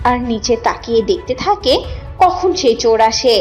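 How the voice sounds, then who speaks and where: High-pitched woman narrating a story. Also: expressive, moderate pace, darkish tone, faint music behind. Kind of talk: scripted cartoon story narration.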